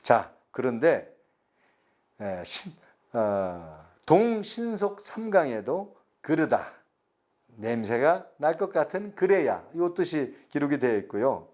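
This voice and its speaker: A middle-aged man, giving a recorded lecture slowly and deliberately, stretching words and pausing. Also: mid-range voice, very animated, a little mellow. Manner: slow, deliberate explanation with drawn-out words and pauses.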